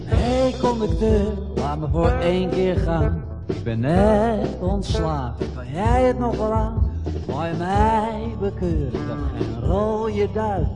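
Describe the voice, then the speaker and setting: A man's voice: high voice, sing-song, slow pace, over loud music, exaggerated voice. A man singing in country style as a cheeky fare dodger who pleads with a conductor. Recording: loud country band behind.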